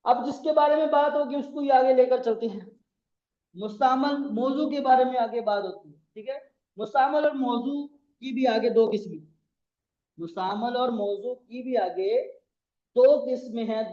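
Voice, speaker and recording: Here an Arabic grammar teacher with a Pakistani Urdu accent lectures a class in a very high-pitched voice at moderate speed. Terms get repeated and spelled letter by letter, and the sound is dull and lo-fi with room echo.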